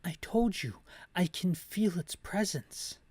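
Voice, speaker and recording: A man acts out a young woman from a horror video game. She is intense and uneasy, with slow, drawn-out phrases in a slightly high, dry voice. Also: expressive, darkish tone, breathy edge, no echo, full character voice. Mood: insistent.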